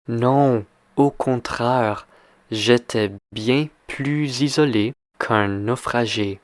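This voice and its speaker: Male language teacher, extremely slow and deliberate, smooth resonant voice, dry close sound, drills questions. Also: medium pitch, no room sound. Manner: deliberate, repeats and quizzes the listener. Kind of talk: slow question-and-answer reading lesson.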